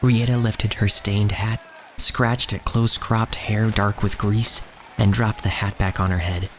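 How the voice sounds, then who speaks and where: A man playing a solemn narrator who tells of a poor street childhood in measured, scripted audio drama storytelling. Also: lowish voice, level tone, a little hiss or hum. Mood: somber, measured. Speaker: first-person narrator. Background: music.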